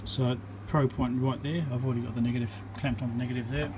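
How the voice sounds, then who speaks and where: An electronics repairer with a New Zealand accent talks fast in a medium-pitched, steady voice while showing his work at an indoor bench. His walkthrough is casual, unscripted and matter-of-fact, and the background is noisy.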